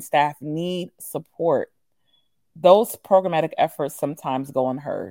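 The recording is dry and close with no echo as a woman with a normal speaking voice and fairly low pitch talks at a moderate pace. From US, Nigerian American household. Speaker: professor and consultant. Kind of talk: interview.

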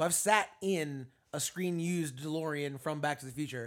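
A man with an American accent speaks in a normal speaking voice at a fairly high pitch and moderate pace. His intonation is fairly even on a very clean recording with a silent background. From Florida. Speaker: car podcast co-host. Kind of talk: casual chat.

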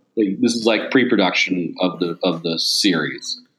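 The speaker has an American accent. The delivery moves at a moderate pace. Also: man. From Southern California. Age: 40s. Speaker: animation artist. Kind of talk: casual chat.

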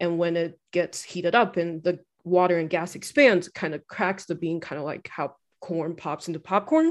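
Ordinary pitch variation marks this voice with a Chinese accent. The pace is moderate. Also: woman, fairly low pitch for a woman. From China. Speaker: hobbyist dumpster diver and food recovery activist. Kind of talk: casual interview. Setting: video call.

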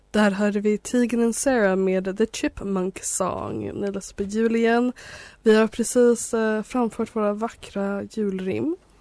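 A woman's fairly high voice with a dark, mellow tone comes at a very slow pace, with a dry, close sound and no echo. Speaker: student radio host. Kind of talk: casual chat. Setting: studio. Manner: hesitant, many fillers.

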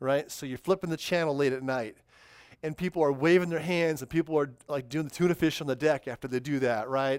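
A normal speaking voice with an American accent and ordinary pitch variation. The recording is very clean, dry, and close, with no echo and a silent background. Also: man. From California. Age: 40s. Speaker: pastor. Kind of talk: sermon. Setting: church. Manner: casual, conversational.

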